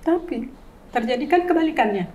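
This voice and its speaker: A woman in her fifties shares her testimony as a grieving mother. She talks earnestly and repeats her key phrases for weight. Her voice sits a little high, with a faint background hum. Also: animated, brisk, a little mellow, low-quality recording. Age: 50s. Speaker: bereaved mother, guest. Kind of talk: emotional faith testimony in an interview.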